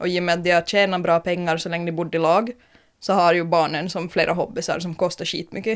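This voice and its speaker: Her intonation monotone and flat, a woman rattles along at a very fast pace with a fairly low pitch. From Finland, Ostrobothnia (Jakobstad). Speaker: podcast co-host. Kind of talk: casual chat.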